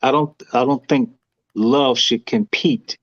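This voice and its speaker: A man speaking in a deliberate, opinionated way in a casual panel discussion. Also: medium pitch, steady tone, no echo, muffled recording.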